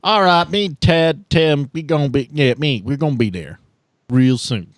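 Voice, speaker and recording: A man playing a grudging, plainspoken rural man in a tabletop roleplay, drawling with folksy grammar and deliberate pauses. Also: fairly high pitch, no room sound, studio quality, lightly acted. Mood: interested, folksy.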